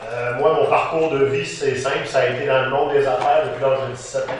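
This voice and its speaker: A man in his fifties with a Quebec French accent, a mayor giving a plain, hesitant self-introduction with filler pauses. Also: medium pitch, fairly even intonation, slight background noise. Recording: echoey room, distant mic.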